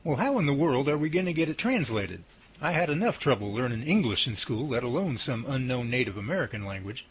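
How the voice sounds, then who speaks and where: A man's voice: mid-range voice, sing-song, fairly quick, close to an everyday voice, poor audio. A man playing an eager, easygoing team leader with a folksy way of talking, in an amateur radio drama.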